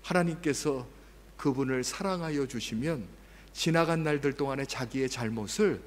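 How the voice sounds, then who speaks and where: Dramatic Korean pastor in reverberant church. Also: male voice, mid-range voice, normal speed. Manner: dramatic swings from hushed to loud emphatic delivery. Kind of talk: sermon. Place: church sanctuary. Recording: long reverb of a church hall.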